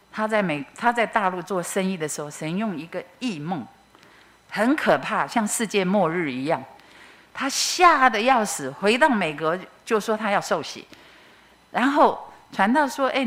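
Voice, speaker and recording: A middle-aged woman with a Taiwanese Mandarin accent, giving a personal testimony at church as an expressive storyteller. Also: mid-range voice.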